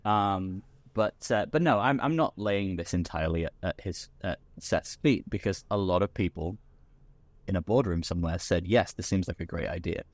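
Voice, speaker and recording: A British man, a podcast guest, talking in a relaxed, rambling way with many restarts. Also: deep voice, moderate pace, no room sound. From Britain. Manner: chatty, full of restarts and repeated words. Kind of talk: casual chat.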